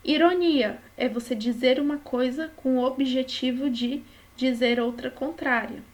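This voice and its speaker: A woman's voice: high-pitched, unhurried. A woman with a Brazilian Portuguese accent teaching a study lesson, explaining patiently and often checking in with short tag questions.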